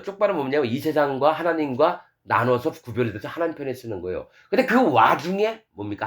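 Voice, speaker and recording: A middle-aged male pastor preaching a sermon emphatically, rising to loud peaks and dropping to low, quiet passages, and reading scripture slowly and solemnly.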